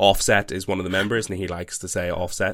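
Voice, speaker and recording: The speaker has a Northern Irish accent. The intonation is monotone and flat. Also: man. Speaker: podcaster, music fan guest. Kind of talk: casual chat.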